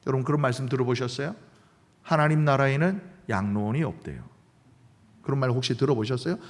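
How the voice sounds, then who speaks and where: A male pastor preaching a sermon in church, animated and often putting questions to the congregation. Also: medium pitch, fast. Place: church sanctuary. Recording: long reverb of a church sanctuary.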